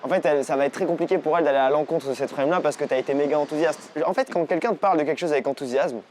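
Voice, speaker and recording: A man working as a dating coach, giving energetic, slangy coaching commentary out on a city street. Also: fairly high pitch, very fast, a little hiss or hum. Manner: energetic, casual slangy talk.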